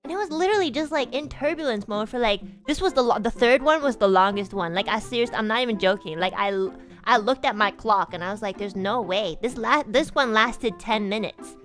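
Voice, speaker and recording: A young woman streamer telling a story in casual chat, animated and swearing, loudly acting out her past self. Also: on the high side, fast, faint music behind.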